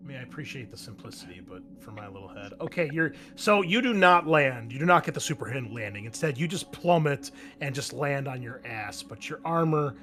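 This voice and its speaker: A man's voice: mid-range voice, lively intonation, fairly quick, hardly any pauses, pushed and bright. A man running a tabletop roleplaying game as game master, narrating off the cuff in a conversational way with some hesitation. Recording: music behind the voice. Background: music.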